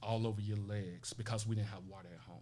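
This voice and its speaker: A man's voice: lowish voice, steady tone, fast, warm tone, a little hiss or hum. Earnest man, reflective coach. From Nashville, Tennessee. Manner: earnest, reflective, frequent restarts. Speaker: life coach guest. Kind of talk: casual interview conversation.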